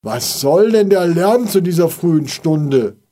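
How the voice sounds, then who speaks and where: Man reading, as gruff grumbling dad, dismissive. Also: lowish voice, measured pace, mellow. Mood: grumpy. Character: grumpy, dismissive father.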